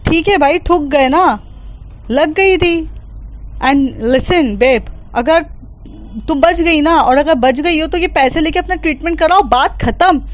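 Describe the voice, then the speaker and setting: A woman's voice: fairly high pitch, a little slow, highs cut off, natural voice. A woman voicing an arrogant, spoiled rich young woman who speaks dismissively and condescendingly. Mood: mocking.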